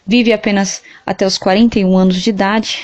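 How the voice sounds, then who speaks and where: A woman's voice: medium pitch, little pitch movement, brisk, a little mellow. A woman with a Brazilian accent giving a prepared explanation as a literature teacher and interview guest. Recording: dull, lo-fi band-limited sound.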